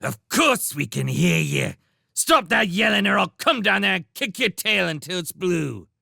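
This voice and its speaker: A man's voice: mid-range voice, very animated, measured pace, sharp tone, no room sound, studio quality, exaggerated voice. A man voicing two surly male rat guards in an audiobook, with coarse, blustering talk. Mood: angry. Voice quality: gravelly, rough-edged. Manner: blustering, threatening, coarse slang. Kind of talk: audiobook character voice.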